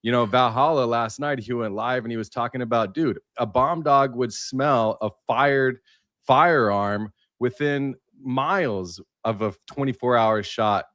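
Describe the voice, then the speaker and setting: A man's voice: mid-range voice, measured pace, a bit bright, dry recording, clean studio sound. A man talking casually as a panelist in a livestream roundtable discussion.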